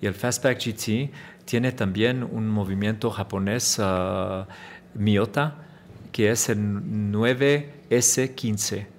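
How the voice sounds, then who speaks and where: Guest, American man, low voice, slow, halting Spanish with English slipping in. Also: slight background noise. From Chicago, USA. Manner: hesitant Spanish full of fillers, switches to English words. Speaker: watch company founder, guest. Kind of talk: interview answers.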